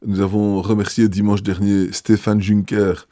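A man, a bishop answering interview questions in a measured, hesitant way with many fillers and restarts. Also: fairly low pitch, completely flat delivery, warm tone, dry recording, studio quality.

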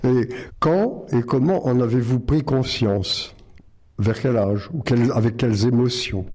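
A man's voice: mid-range voice, measured pace, a little mellow. A man interviewing a musician, asking formal, polite questions.

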